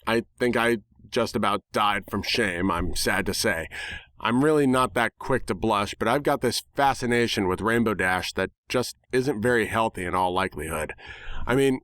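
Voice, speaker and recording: A man's voice: lowish voice, moderate pace, a bit bright, no room sound. A man giving a dramatic first-person story reading in a wry, sardonic, conversational way. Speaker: story reader. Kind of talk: dramatic first-person fan fiction narration.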